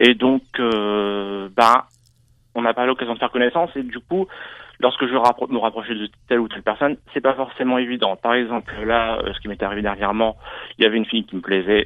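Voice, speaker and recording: The man's pitch is medium, with fairly even intonation. He keeps a fairly quick pace. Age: 30s. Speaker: caller, job seeker. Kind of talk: call-in advice conversation. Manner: hesitant.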